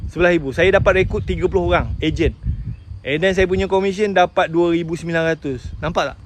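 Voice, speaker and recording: A Malaysian man with a fairly high voice tells his story in a motivational live talk. He talks with feeling, keeps turning to his listeners and drops English words into his Malay. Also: fast, slight background noise. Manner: emotional storytelling, addresses listeners as tuan-tuan, mixes in English words. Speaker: sales agent sharing his story.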